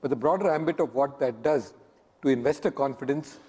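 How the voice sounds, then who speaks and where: A hoarse man, courteously moderating a panel. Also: medium pitch, a little fast, warm tone. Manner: courteous, introducing speakers. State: hoarse, losing his voice. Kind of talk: panel discussion. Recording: long hall reverb.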